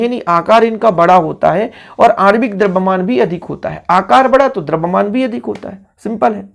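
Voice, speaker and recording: A man's voice: sits high, vocal fry. A man teaching a coaching-class chemistry lecture, coaxing his pupils and asking and answering his own questions. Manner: coaxing, keeps checking in with listeners.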